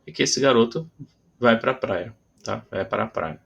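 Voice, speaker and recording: A man's voice: mid-range voice, a little slow, gravelly, breathy edge. A man with a Brazilian Portuguese accent teaching a grammar lesson, explaining patiently and checking in with frequent "tá?" between examples.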